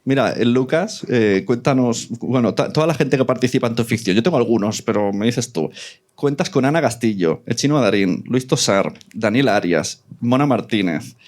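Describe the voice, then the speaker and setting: A man's voice: medium pitch, lively intonation, normal speed, darkish tone. Man moderating a casual panel. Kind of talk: casual live panel discussion.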